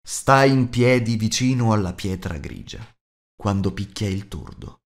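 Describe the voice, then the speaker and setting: Man playing a grave, measured elf lord. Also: on the low side, animated. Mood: solemn reading. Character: wise, grave male elf lord and lore master.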